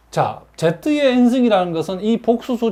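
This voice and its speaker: On a very clean recording with a silent background, a man with a high pitch and a dark, mellow tone talks at a fairly slow pace with very wide pitch swings. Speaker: math lecturer. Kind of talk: lecture. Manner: serious.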